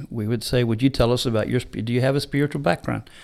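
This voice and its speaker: On a very clean recording with a silent background, a man with a medium pitch, ordinary pitch variation and vocal fry speaks. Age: 60s. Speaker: campus ministry leader. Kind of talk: casual interview.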